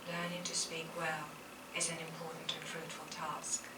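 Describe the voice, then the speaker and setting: A woman puts on a breathy character voice, fairly low in pitch, at a moderate pace over loud background noise. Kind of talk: demonstration of voice types.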